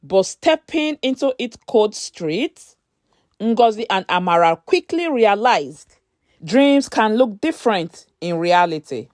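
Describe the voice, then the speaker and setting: A woman narrating a scripted story in a measured, dramatic storytelling manner. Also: mid-range voice, sing-song, a little mellow, no echo, clean studio sound.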